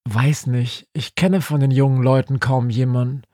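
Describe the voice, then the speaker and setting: A man's voice: mid-range voice, fairly even intonation, moderate pace, mellow, no room sound, studio quality, lightly acted. A man voicing a grumpy, stubborn old female Christmas witch. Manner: cranky, stubborn.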